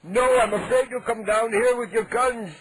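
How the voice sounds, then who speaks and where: A man's voice: very high voice, fairly even intonation, normal speed, crowd noise, poor audio. A man playing a cranky, indignant 87-year-old neighbor on a prank call, making blustering threats with mock-polite outrage. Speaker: prank caller.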